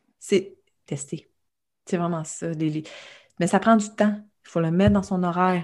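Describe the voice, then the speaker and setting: In a Quebec accent, a woman speaks fairly slowly at a fairly low pitch, with fairly even intonation and long, frequent pauses. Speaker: entrepreneur and group coach. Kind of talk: casual interview conversation.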